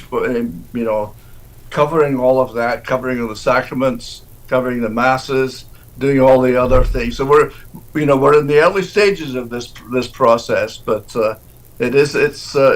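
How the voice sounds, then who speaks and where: A man, a deacon, answering interview questions in a halting way, often restarting and repeating words. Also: medium pitch, rough recording.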